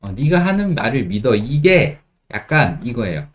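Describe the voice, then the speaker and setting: A man teaching spoken English in Korean, explaining phrases and repeating English sentences very slowly for learners. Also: medium pitch. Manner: explains in Korean with lively, rising delivery.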